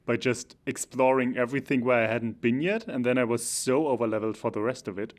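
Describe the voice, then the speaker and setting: A man co-hosting a casual podcast chat, talking in a relaxed, offhand way. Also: mid-range voice, fairly quick. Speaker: podcast co-host.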